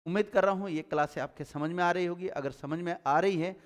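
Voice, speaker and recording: A male teacher with a smooth, clear voice that sits a little high for a man. He walks his students through the lesson step by step, often asking a question and answering it himself. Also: fairly quick. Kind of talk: classroom grammar lesson.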